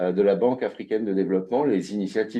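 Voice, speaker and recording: A man speaks in a fairly low pitch with a dark, mellow tone. His pitch variation is ordinary, and the background is quiet. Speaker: panel moderator. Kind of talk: panel moderation. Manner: speaking slowly.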